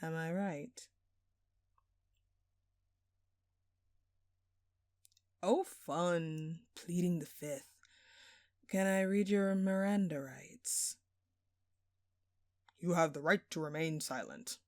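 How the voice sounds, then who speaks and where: A woman's voice: lowish voice, takes it slowly, long pauses, no room sound, clean studio sound. A woman playing a smug, flirtatious jewel thief who taunts a detective with teasing, sarcastic, theatrical phrasing in an audio roleplay. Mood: gleeful, taunting. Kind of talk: scripted audio roleplay addressed to the listener.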